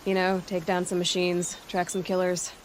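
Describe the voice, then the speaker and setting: An actress playing a headstrong, skeptical young tribal huntress in a video game, with a dry, direct, sardonic delivery. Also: female voice, on the low side, completely flat delivery, normal speed, a little hiss or hum, lightly acted, low-quality recording. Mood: dry, probing. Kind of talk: video game drama acting. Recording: music under the voice.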